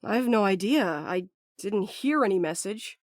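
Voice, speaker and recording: Naturalistic audio drama courier, actress, dry-humored and blunt, mid-pitched, close dry sound. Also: female voice, lively intonation, normal speed, dry recording, close to an everyday voice. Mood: exasperated, uneasy.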